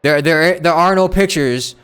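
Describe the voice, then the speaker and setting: A man's voice: fairly high pitch, measured pace, a bit bright, clear, resonant tone. A man livestreaming a game, reading text aloud with stumbles and reacting in casual, slangy commentary.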